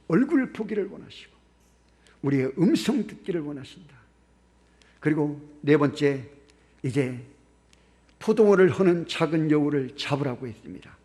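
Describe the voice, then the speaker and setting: A man's voice: on the high side, lively intonation, moderate pace, long pauses, warm tone. A middle-aged man preaching a sermon as pastor, building emphasis through repeated phrases.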